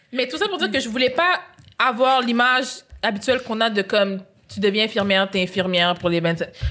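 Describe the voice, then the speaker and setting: A woman speaks in a plain, everyday voice at a fairly high pitch. Her pace is fairly quick. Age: 20s. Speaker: nurse and uniform business founder. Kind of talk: casual chat.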